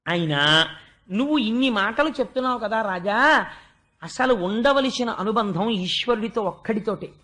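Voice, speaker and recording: A man's voice: sits high, animated, normal speed, pushed and bright. A man giving a devotional scripture discourse, telling the story at length and chanting verses in a sing-song lilt. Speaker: spiritual discourse speaker.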